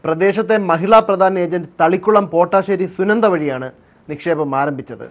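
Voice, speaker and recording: A man's voice: high-pitched, moderate pace, highs cut off. A man reading a scripted investigative news narration as the programme's presenter.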